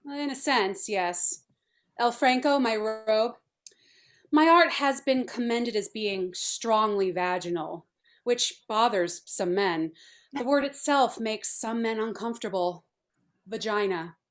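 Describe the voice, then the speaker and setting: A woman playing a brisk, haughty feminist artist in a script read, speaking in a formal, clinical, matter-of-fact way. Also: on the high side. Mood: brisk, detached. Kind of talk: table read of a film script.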